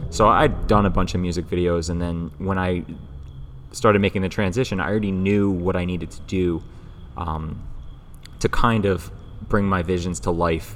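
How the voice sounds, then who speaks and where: In a room with audible echo, a man with a very deep, low voice and ordinary pitch variation speaks with long, frequent pauses. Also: moderate pace. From New York. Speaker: music video director. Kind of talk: casual chat. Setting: warehouse venue.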